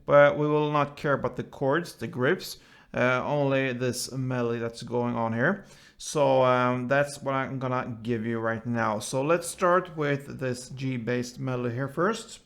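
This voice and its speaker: A man giving an informal step-by-step guitar lesson in short, halting phrases as the host. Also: mid-range voice, steady tone, creaky, fairly bright tone. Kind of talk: step-by-step instrumental tutorial. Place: indoors, small room, seated with guitar. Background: acoustic guitar playing.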